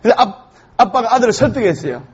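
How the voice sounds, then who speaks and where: Male Buddhist monk preaching with jokes: very high, husky voice on a dull lo-fi recording. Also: quick pace. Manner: joke-telling, animated storytelling. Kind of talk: humorous sermon.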